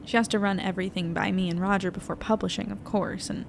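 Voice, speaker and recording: Actress playing young woman, creaky voice, anxious, weary, hesitant confiding monologue, audio drama, noisy plane cabin. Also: mid-range voice, steady tone, quick pace, close to an everyday voice. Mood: uneasy, doubtful. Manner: hesitant, confiding, thinking out loud. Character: anxious, weary young woman newspaper editor on a night flight. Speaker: lead narrator of an audio fiction podcast. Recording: noisy airplane cabin ambience.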